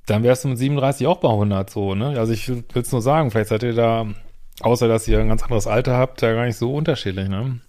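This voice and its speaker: A man's voice: mid-range voice, quick pace, dark tone. Man, host, blunt, swearing, commenting on a viewer's letter, questioning tags at sentence ends.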